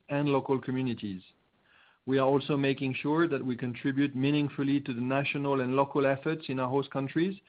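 A man speaks as a chief executive on an earnings call, reading prepared remarks in a stiff, formal way. His voice sits at a medium pitch and comes through a muffled, narrow conference phone line. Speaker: chief executive presenting quarterly results.

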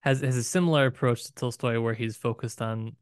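A man co-hosting a podcast, talking through a book casually with emphatic, deliberate phrasing broken by pauses. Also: mid-range voice, fairly even intonation, smooth, dry recording, clean studio sound. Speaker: podcast co-host.

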